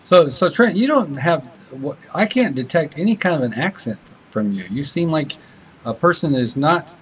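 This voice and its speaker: A man's voice: fairly high pitch, lively intonation, normal speed, breathy edge, rough recording. A man from Texas with an American accent, interviewing in a casual chat as podcast host. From Texas, United States.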